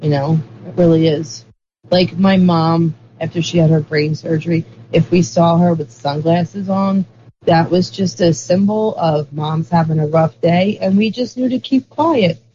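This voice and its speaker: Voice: mid-range voice, measured pace, dark tone, a little hiss or hum. Rambling guest on a lo-fi recording. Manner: rambling, heavy use of "like" fillers. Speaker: interview guest. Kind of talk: casual conversational explanation.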